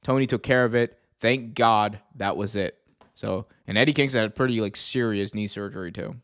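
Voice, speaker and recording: A wrestling show host from the United States chats on a casual livestream, responding to viewer comments with slang, swearing and frequent laughter. He has a North American accent and a fairly low, slightly bright voice at a moderate pace.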